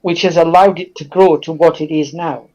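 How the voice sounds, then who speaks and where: High-voiced man, a hesitant discussion guest. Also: fairly even intonation, normal speed, mellow, dull audio. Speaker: invited guest. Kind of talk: casual history discussion.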